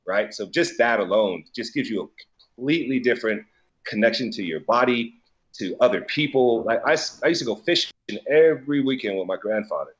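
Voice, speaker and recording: A man's voice: medium pitch, animated, fairly quick, lo-fi sound. A man from Colorado talking as a guest in a casual conversation, loose and profane, with lots of filler words and easy laughs. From Colorado, USA. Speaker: guest, DJ and business owner.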